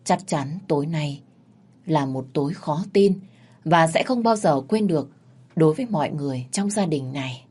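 Low husky woman narrating a story. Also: animated, normal speed, a little mellow. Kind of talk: scripted narration of a ghost story.

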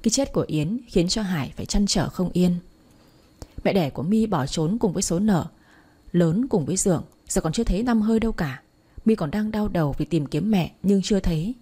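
Woman narrator for a storytelling channel, low, dark and husky, steady delivery. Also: a little fast.

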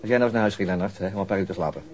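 Man as a fast-talking senior police detective. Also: deep voice, darkish tone, a little hiss or hum, close to an everyday voice. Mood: firm, commanding. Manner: dry, businesslike, commanding. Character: steady, authoritative, dry senior male police detective. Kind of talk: radio drama acting.

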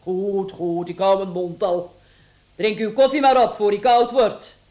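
A woman's voice: mid-range voice, steady tone, measured pace, a little mellow, lightly acted. An actress playing a fearless, chatty charwoman with a sly, cheeky manner in a radio drama. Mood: brash, taunting. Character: brash, chuckling, fearless charwoman with a sly streak.

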